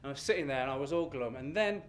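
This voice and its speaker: A British man telling an animated, ranting comic story live on stage, exasperated, self-deprecating and sweary. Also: medium pitch, rapid-fire. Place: live storytelling event with room ambience. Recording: noisy live venue recording.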